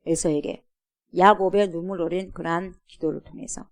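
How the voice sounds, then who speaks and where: A woman's voice: fairly low pitch, steady tone, normal speed. A woman pastor giving a sermon at a church, preaching emphatically and asking the congregation repeated rhetorical questions.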